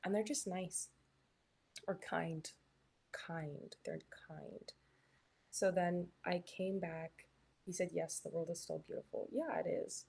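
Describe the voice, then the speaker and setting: A woman's voice: fairly low pitch, steady tone, takes it slowly, vocal fry, darkish tone, breathy edge. A young woman from Canada, chatting casually as a live stream host while reading her chat, with lots of "like" and "um". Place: hotel room.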